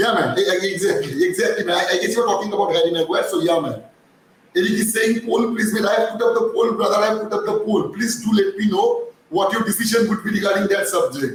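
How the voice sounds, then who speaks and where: Speaking at a very fast pace, a man uses a high pitch, lively intonation and very even loudness. Audible room echo surrounds his voice. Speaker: football YouTuber. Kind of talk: live stream commentary. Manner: soft-spoken; halting.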